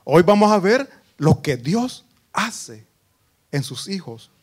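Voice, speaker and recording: A man preaching a sermon as pastor, rising to emphatic phrases and dropping to low asides. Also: big pitch swings, slow.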